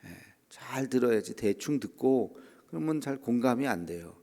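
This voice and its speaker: Gravelly-voiced pastor preaching in a reverberant church. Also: male voice, medium pitch, animated, moderate pace, darkish tone. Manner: conversational preaching with frequent "예" and "에" fillers; acts out quoted voices of children and church members. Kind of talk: dawn prayer sermon. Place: church sanctuary. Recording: long hall reverb.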